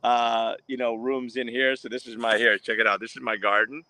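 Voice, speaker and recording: A man who grew up in New Jersey, born in Portugal, chatting as a guest on a video call from outdoors in his garden, talkative and quick to laugh. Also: medium pitch, little pitch movement, over a noisy crowd. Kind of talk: casual video chat.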